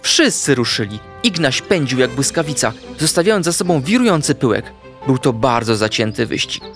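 A man narrating a children's bedtime story in an expressive, playful way. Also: medium pitch, moderate pace. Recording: faint background music.

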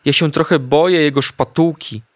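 An eager little forest creature chirps along in a bright, bouncy voice, as a man reading a children's story puts him on. He speaks higher than an adult's usual talk. The sound is close and dry. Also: normal speed, no echo, close to an everyday voice. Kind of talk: storybook character voice.

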